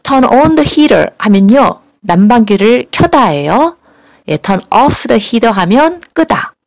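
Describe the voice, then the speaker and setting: A woman giving a recorded English lesson, patient and polite as she explains. She slows right down to model each phrase for learners to repeat. The sound is dry and close, with no room echo. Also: fairly high pitch, big pitch swings. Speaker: English teacher.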